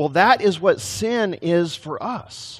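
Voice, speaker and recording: A man with an American accent is heard on a very clean recording against a silent background. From Texas. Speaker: pastor. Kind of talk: sermon. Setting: church.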